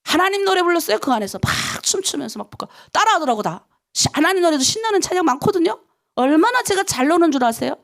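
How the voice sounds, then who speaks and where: Lively high-voiced woman pastor preaching. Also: fast. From North Korea. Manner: lively, emphatic, talks to the congregation with rhetorical questions. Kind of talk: dawn prayer sermon.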